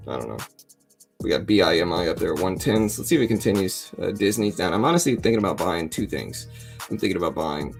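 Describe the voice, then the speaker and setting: Deep, gravelly man chatting casually. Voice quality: raspy; deep morning voice. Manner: joking, self-deprecating, rambling. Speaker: livestream host. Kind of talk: casual live trading commentary to chat.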